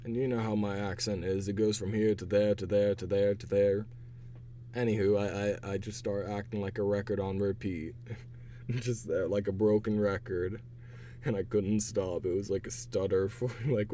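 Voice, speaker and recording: Hoarse young man with a raspy voice. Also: lowish voice, moderate pace, dark tone, a little hiss or hum. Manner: chatty, rambling, laughs to himself. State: hoarse, voice partly gone. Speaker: streamer. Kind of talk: casual chat while taking online quizzes.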